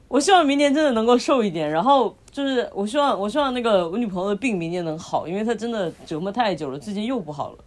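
A woman's voice: mid-range voice, sing-song, fast. A woman co-hosting a podcast, chatting casually with a wry, teasing sense of humor. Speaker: podcast co-host. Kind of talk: casual chat.

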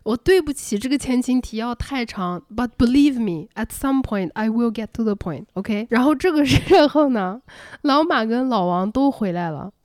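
A woman podcast host telling a personal story in casual chat, animated and laughing often. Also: on the high side, moderate pace, dry recording, studio quality. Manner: animated, laughs often, acts out quoted lines.

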